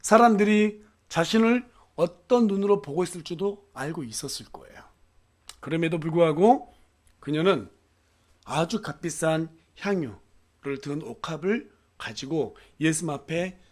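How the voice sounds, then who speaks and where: A man with a notably high voice delivers a Sunday sermon from the pulpit. He preaches earnestly, leaning on rhetorical questions and little affirming fillers between phrases. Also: lively intonation, unhurried. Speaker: pastor. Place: church.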